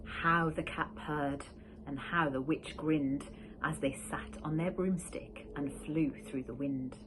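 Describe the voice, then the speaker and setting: A woman teacher reading a rhyming picture book aloud, slow and expressive. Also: low voice, noisy background.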